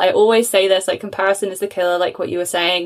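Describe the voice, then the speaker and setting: With an English accent, a woman talks with ordinary pitch variation. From England. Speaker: podcast host. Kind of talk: casual interview chat.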